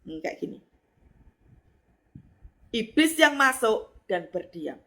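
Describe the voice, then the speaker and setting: A middle-aged woman pastor, preaching a lively sermon and acting out voices with sudden high exclamations. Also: slow.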